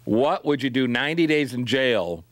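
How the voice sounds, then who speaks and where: A man's voice: medium pitch, lively intonation, normal speed, no room sound. A middle-aged man hosting talk radio in a casual, joking, conversational way, close on a studio microphone. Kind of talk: casual live radio banter. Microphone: close broadcast microphone on boom.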